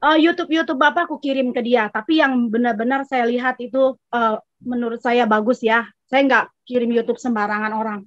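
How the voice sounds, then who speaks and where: A woman's voice: on the high side, steady tone, fairly quick, no room sound. A woman in a congregation telling a testimony casually, chatty and acting out both sides of a conversation. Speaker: congregation member giving a testimony. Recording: dry, slightly dull sound.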